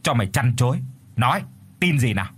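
Village frog-catcher, taunting, bossy, husky; a man reads him. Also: mid-range voice, big pitch swings, fairly quick. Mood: mocking. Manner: mocking, bossy. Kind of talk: storytelling.

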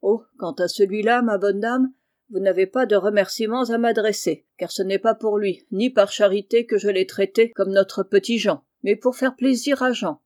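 A woman voicing a kindly, blunt middle-aged male farmer in an audiobook, speaking low and hushed. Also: fairly even intonation, normal speed, dry recording, studio quality, lightly acted. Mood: gruff. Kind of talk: audiobook character reading.

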